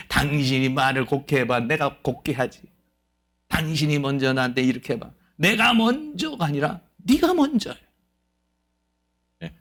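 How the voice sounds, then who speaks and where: Lively Korean pastor, animated sermon. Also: male voice. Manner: lively preaching with swings of pitch and playful quoted voices. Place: church sanctuary.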